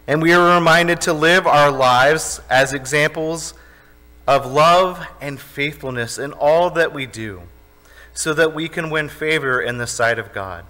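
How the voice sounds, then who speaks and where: A man's voice: fairly high pitch, measured pace, sharp tone. A male pastor preaching a sermon in a church sanctuary, telling a story conversationally and asking the congregation questions. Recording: reverberant church hall.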